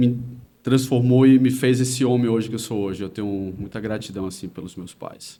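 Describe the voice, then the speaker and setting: A man with a Bahian accent speaks at a medium pitch in a dark, mellow tone, with fairly even intonation and audible room echo. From Brazil, Bahia (Salvador). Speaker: church member giving testimony. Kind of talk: testimony interview.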